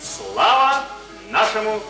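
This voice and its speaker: An actor playing a pompous toastmaster in a radio play, giving a halting, padded banquet speech. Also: male voice, high-pitched, big pitch swings, full character voice. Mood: pompous, festive. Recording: echoey, distant mic, music behind.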